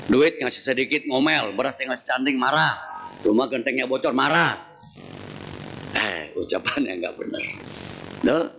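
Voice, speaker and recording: A man's voice: medium pitch, moderate pace, long pauses. A man giving a humorous sermon as a Buddhist preacher, telling a story and acting out the dialogue in shifting voices. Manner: animated, acts out quoted dialogue in shifting voices. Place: temple hall. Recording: dull lo-fi sound with faint noise.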